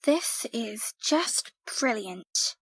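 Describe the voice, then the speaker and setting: Woman acting an exasperated high-voiced bossy twin sister. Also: lively intonation, very slow, slightly rough, no echo, heavily acted, low-quality recording. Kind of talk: audio drama acting.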